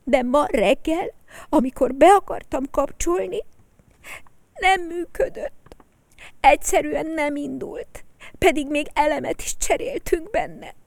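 A woman voicing a small kindergarten boy in a storybook, speaking in a high, earnest child's voice. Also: gravelly, no room sound. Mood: sad, tearful. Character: small kindergarten boy, sad then hopeful.

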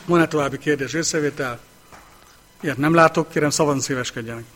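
A man chairing a local council meeting, calling items and announcing vote results in a brisk, procedural way. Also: a little high, a bit bright, slight background noise.

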